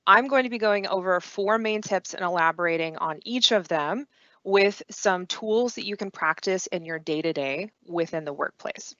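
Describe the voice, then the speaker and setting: A woman in her thirties giving a conference talk online, with steady, clearly paced delivery. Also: lowish voice, normal speed, dry recording. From United States. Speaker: conference speaker. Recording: dull lo-fi dry sound.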